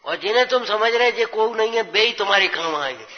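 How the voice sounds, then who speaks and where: A man with a high, animated voice delivers a religious scripture sermon at a quick pace, exhorting his listeners and using rhetorical questions to check they understand. The dull, lo-fi recording carries a long hall reverb.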